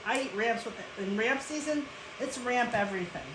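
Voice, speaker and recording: With a fairly high voice, lively intonation and a moderate pace, this Western Pennsylvania cooking show host walks through a relaxed demonstration. She teaches in a chatty way, often wandering into asides, and the echoey room carries clear background noise.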